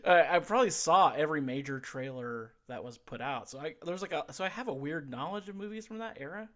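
A man's voice: fairly high pitch, lively intonation, a bit bright. A man co-hosting a casual movie podcast, laughing often and restarting his sentences as he recalls movie trivia. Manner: laughing, quick to react, hesitant restarts. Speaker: podcast co-host. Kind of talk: casual chat.

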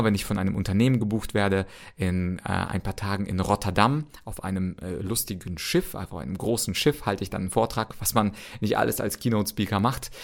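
A man's voice: on the low side, vocal fry. A man in his thirties from Ukraine hosting a podcast, answering listener questions in an articulate, conversational and self-assured way. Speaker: podcast host and rhetoric trainer.

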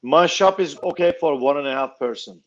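A man chatting casually with friends in a halting, hesitant way. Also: a little high, a bit bright, muffled recording. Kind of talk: casual chat among friends.

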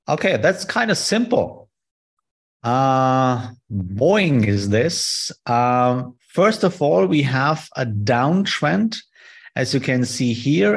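German guy on a video call walking thru trading charts, friendly, lots of uh and um, middle pitch. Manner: friendly, halting non-native English with many fillers. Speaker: trading guest presenter. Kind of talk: live online trading webinar, walking through charts.

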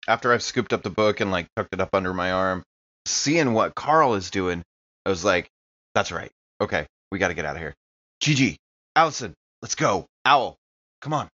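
A man playing a tabletop role-playing game, talking casually and haltingly, repeating himself as he describes his moves, on slightly dull close-up audio. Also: low-pitched, animated, pushed and bright, dry recording.

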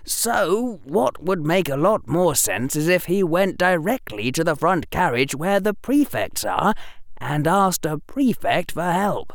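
Man lightly raising his voice for a clever calm schoolboy, matter-of-fact, slow, dry close sound. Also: on the high side, no room sound, pitched above the performer's own voice. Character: clever calm eleven-year-old boy.

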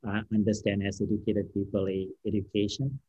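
A man speaking English as his third language, answering interview questions as a company founder with many fillers, pauses and restarts. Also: on the low side, flat delivery, mellow, slightly rough, dry recording, dull audio. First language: non-English first language. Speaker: company founder and CEO, guest. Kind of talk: unscripted podcast interview answer.

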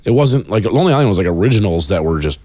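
Deep-voiced fast-talking man. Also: very animated, warm tone, dry recording. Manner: easygoing, laughs often. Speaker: podcast co-host. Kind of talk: casual podcast chat.

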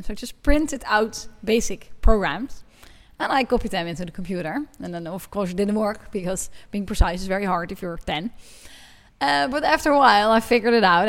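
Enthusiastic woman, non-native English speaker. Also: medium pitch. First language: not English. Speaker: guest researcher. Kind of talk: conversational interview.

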